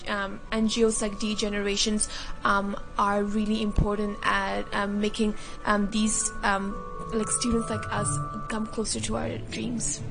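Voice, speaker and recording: A woman's voice: mid-range voice, completely flat delivery, unhurried, creaky, music in the background, poor audio. A woman in her twenties, a university student, talking earnestly about her career path with frequent ums. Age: 20s. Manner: earnest, many fillers, softening toward the end. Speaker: university student, charity beneficiary. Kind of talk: recorded interview testimony.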